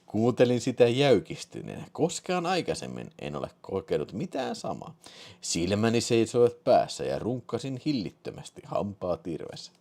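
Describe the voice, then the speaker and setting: Low-voiced man reading with lively swings. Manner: mock-serious reading broken by amused asides. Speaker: host of a live film show. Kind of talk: live stream chat and comic reading aloud.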